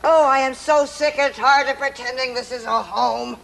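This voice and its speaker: A woman's voice: sits high, fairly even intonation, gravelly, fairly bright tone, a little hiss or hum, low-quality recording. A nervous stammering mother. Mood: aggrieved. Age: middle-aged. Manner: nervous stammering, rapid shifts to scolding. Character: fragile nervous mother, defensive and scolding. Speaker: mother of the family. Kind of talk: filmed stage drama.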